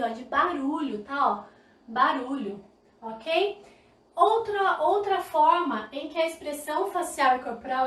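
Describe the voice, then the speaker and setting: A woman from Brazil teaching a live online sign language class, lively and demonstrative. Her voice is high. It is picked up a little off-mic in an echoey room. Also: far from the mic. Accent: Brazilian Portuguese. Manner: lively, demonstrative, talks to viewers directly. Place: indoor room, live stream.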